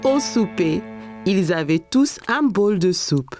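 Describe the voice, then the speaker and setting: A woman playing a gentle storyteller who narrates a children's cartoon in scripted storybook style. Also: medium pitch, lively intonation, takes it slowly, music in the background. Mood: storytelling. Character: gentle storyteller narrating a small boy's day.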